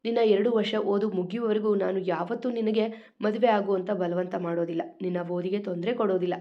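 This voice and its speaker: A woman's voice: medium pitch, steady tone, a little fast, dull audio, natural voice. A woman voicing an earnest young man, devoted to his girlfriend, speaking in a pleading, emotional way.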